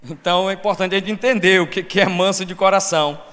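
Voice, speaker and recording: A man preaching a sermon as pastor, with a Brazilian Portuguese accent, swinging between shouted points and soft asides. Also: high-pitched, fairly even intonation, fast, smooth. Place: church hall. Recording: long church reverb.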